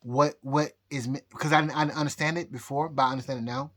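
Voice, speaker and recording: A man's voice: medium pitch, steady tone, brisk, fairly bright tone. A tipsy man delivers a loose, personal rant. He halts, doubles back and repeats his phrases as he goes. His delivery is emphatic and defiant, with an unscripted, rambling flow. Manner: emphatic, defiant talk of fate and God. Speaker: astrologer.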